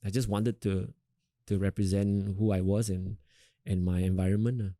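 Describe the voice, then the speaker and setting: A young Singaporean rapper with a Singaporean English accent chats casually in an interview, relaxed and rambling with plenty of fillers. His voice is lowish and his pace moderate. The recording is dry, with clean studio sound.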